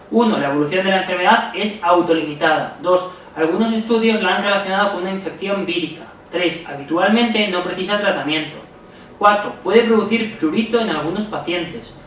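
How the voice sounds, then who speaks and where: A man's voice: sits high, a bit bright. A man with a Spain Spanish accent giving a methodical exam-strategy lesson as a medical exam tutor, often checking in with listeners. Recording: very echoey room, voice far from mic, faint noise.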